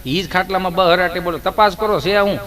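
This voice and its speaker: A man's voice: sits high, a little fast. A man, a stand-up comedian telling rambling comic stories. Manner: lively, rambling joke-telling. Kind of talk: folk comedy storytelling.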